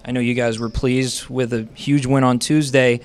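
A young man, a sports reporter, asking smooth prepared postgame questions into a handheld mic. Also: medium pitch, little pitch movement, normal speed. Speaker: sideline reporter. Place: indoor interview backdrop.

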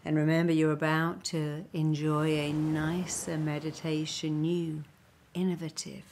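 A woman with an English accent leading a guided meditation, speaking slowly and soothingly, sometimes dropping into a breathy near-whisper. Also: low voice, level tone, a little mellow, slight background noise. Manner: slow, soothing, breathy at times. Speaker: hypnotherapist guiding a meditation.

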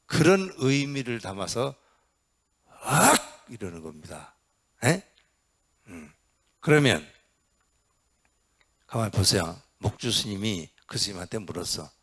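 A middle-aged man, a Buddhist monk, giving an interactive dharma talk in a Buddhist hall. He quizzes and coaxes his listeners and acts out the shouts he describes. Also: fairly low pitch, sing-song, a little slow, pauses often, husky. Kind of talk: interactive sermon.

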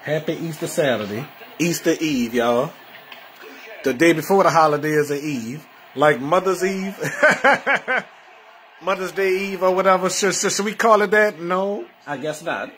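A man hosting a casual home livestream, rambling with many repeats and soft trailing endings. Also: fairly high pitch, measured pace, slight background noise. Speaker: livestream host. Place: home, indoors.

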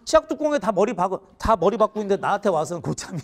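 High, lively male teacher telling stories. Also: racing. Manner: animated, often laughing mid-sentence. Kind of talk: humorous storytelling lecture.

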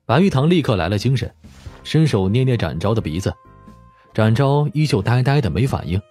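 A male storyteller reads scripted fiction. His pitch moves a lot and his voice has a husky grain. Soft music plays behind him. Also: sing-song, brisk. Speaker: audiobook narrator.

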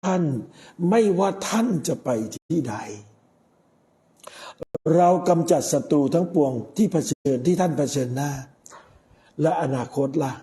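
Casting: middle-aged male priest, very dark mellow tone, unhurried sermon delivery with pauses. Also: on the high side. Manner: measured, with frequent pauses. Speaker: Catholic priest.

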